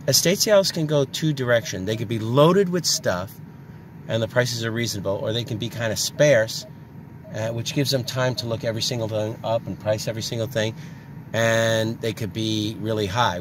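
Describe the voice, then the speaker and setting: A man's voice: lowish voice, normal speed. Casual male vlogger with noisy background. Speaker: vlogger and reseller. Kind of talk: casual vlog chat about secondhand finds. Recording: clearly noisy, ambient background.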